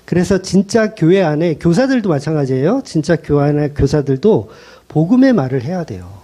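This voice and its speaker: A male pastor preaches a sermon in a blunt, colloquial style, pressing his congregation with rhetorical questions. His voice is fairly high, warm, very animated and fairly quick.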